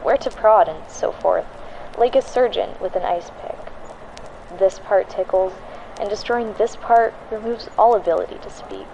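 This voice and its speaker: An actor playing a haunted, grim woman reporter of the 1940s, giving a deliberate, ominous monologue on an old tape in an audio drama. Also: mid-range voice, mellow, slight background noise, natural voice, poor audio.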